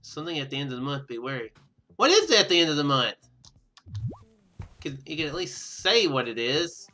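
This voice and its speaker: Guy doing a casual lets play, bright slightly high voice, reads game text and rambles, music in the back. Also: big pitch swings, normal speed. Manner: rambling, thinking out loud. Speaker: gaming video host. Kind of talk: casual let's play commentary, reading game text aloud.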